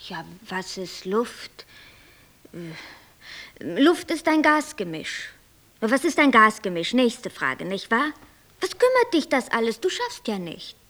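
An actress playing a capricious, self-absorbed white angel who creates worlds, airy, flippant and lecturing, in a German radio play. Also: female voice, a little high, sing-song, takes it slowly, a bit bright, full character voice. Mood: impatient lecturing.

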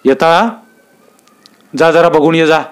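A man's voice: fairly high pitch, fairly even intonation, slow pace, clean tone, pitched above the performer's own voice. A man voicing anxious rural villagers with rustic, worried speech.

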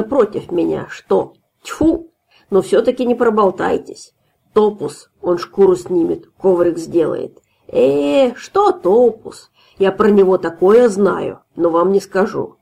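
A drunken, swaggering male guard with a slurred, taunting way of speaking, as a woman reads him aloud. The voice has a gravelly, husky edge. He boasts and jeers from an audiobook fairy tale. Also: medium pitch, warm tone, heavily acted.

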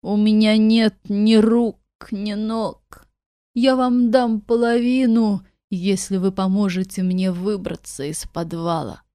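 A woman voicing a scheming, limbless male sorcerer trapped in a cellar, speaking slowly and wheedling, then hissing with spite in an audiobook. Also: mid-range voice, steady tone, warm tone, clear, resonant tone, no echo, clean studio sound, close to an everyday voice. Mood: pleading.

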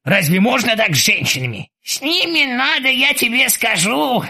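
A man's voice: very high voice, big pitch swings, moderate pace, vocal fry, sharp tone, pitched above the performer's own voice, heavily acted. A man voicing a gray-haired old sailor who drawls and scolds. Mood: scolding.

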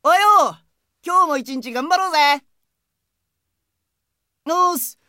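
A brash, friendly teenage boy, with a high voice in a dry, close studio sound. He talks in cheeky, boyish slang, the teasing best buddy of an anime game drama. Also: unhurried, pushed and bright, no room sound. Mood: cheerful, encouraging. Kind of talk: anime game audio drama, character voice messages.

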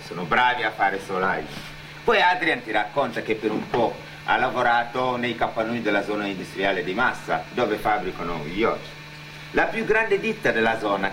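A man's voice: mid-range voice, background noise. A man working as an actor-narrator, telling a story in dramatic theatre style. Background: music under the voice.

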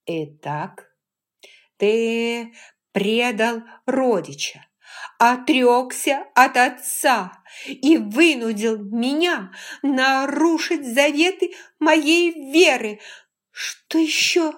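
A woman's voice: sits high, moderate pace, few pauses, bright, forceful tone, whispered, voice pushed up. A woman voicing a furious young woman who screams and shrills in an audiobook reading.

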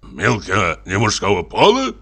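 A man's voice: deep voice, huge pitch swings, a little slow, sharp tone, husky, full character voice. Man playing a boastful tipsy army lieutenant. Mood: boasting. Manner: boisterous, wheedling, exclamatory. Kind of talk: audiobook character reading.

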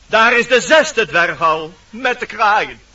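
An actor playing a prim, solemn, fussy dwarf in a radio play, speaking formally. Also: male voice, high voice, expressive, slow pace, a loud crowd. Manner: formal, officious. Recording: muffled, noisy, distant old radio play.

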